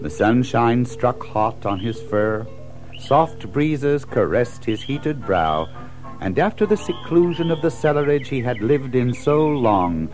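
A man narrating a children's story in an expressive, theatrical scripted style, savoring lists and alliteration. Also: medium pitch.

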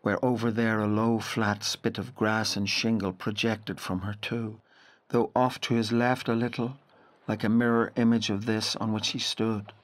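A reflective Northern Irish storyteller played by a man with a fairly low voice. He narrates a literary audio drama, setting out each phrase in a deliberate, measured way. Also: little pitch movement, close to an everyday voice. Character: reflective male storyteller recalling a boy's rural Irish childhood.

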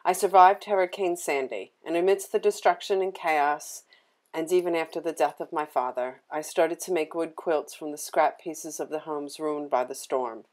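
Low-voiced woman with a Philadelphia accent. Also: normal speed. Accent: Philadelphia American. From Philadelphia, United States. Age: middle-aged. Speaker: artist and studio tour host. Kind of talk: informal studio tour narration.

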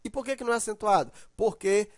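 A man's voice: high voice, fast, no echo. Man teaching grammar on a close, dry mic, patient and step-by-step. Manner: explanatory, repeats checks like "ok" and "ó". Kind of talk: recorded grammar lesson.

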